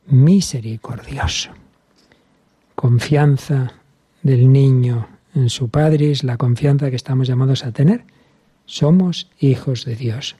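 A man's voice: medium pitch, mellow, slightly rough, no room sound. A man preaching a sermon to viewers in an earnest way, lingering on key words. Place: video recording to viewers.

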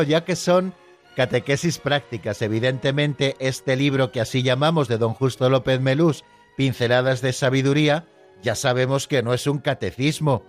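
A man's voice: medium pitch, no room sound, clean studio sound. A man hosting a radio catechism program, explaining earnestly and addressing his listeners directly.

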